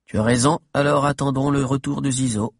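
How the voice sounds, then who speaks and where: A man with a husky voice voicing a calm, cautious young tribal chief who speaks in a measured, reasoning way. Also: dry recording, clean studio sound. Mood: agreeing. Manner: measured, reasoning, low and quiet.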